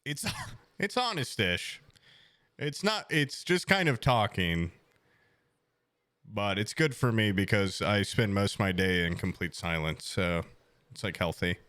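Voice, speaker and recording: Slow-talking low-voiced young man. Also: expressive, fairly bright tone, no room sound. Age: 20s. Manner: rambling, joking, self-mocking. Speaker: streamer. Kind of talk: casual stream chat.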